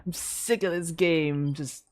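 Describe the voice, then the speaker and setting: A woman's voice: low voice, fairly even intonation, slow pace, darkish tone. A woman giving casual live gameplay commentary as a streamer, exclaiming and swearing freely. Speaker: game streamer. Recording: faint game music behind.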